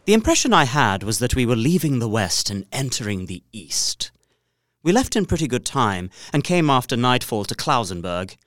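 A man plays a proper young English solicitor narrating his diary for an audio drama. He is precise and earnest, with lively, varied intonation in a dry, close recording. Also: mid-range voice, moderate pace, no room sound. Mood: bemused. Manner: expressive, precise, faintly bemused.

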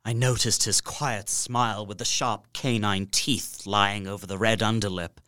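An actor playing a proper, apprehensive young Victorian gentleman narrating his journal in an audio drama, measured and formal. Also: fairly low pitch, flat delivery, clear, resonant tone, no room sound, clean studio sound. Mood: grave, uneasy.

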